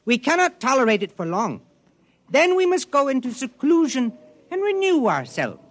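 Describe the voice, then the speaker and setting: A calm, formal alien explorer. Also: male voice, extremely high pitch, moderate pace, no echo, heavily acted. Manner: formal, precise, no contractions. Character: calm glowing alien explorer who eats rock. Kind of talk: 1950s radio drama acting.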